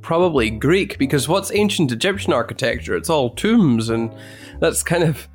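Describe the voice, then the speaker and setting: A man from Scotland co-hosting a conversational English lesson, giving measured, dry explanations with careful hedging. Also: fairly high pitch, lively intonation, faint music behind. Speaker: co-host and English teacher.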